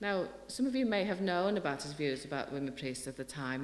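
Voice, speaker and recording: The speech has lively intonation, with audible room echo. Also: woman. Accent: North Wales. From Wales, Llŷn peninsula (Nefyn). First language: Welsh. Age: 40s. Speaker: priest and poet. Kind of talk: festival lecture.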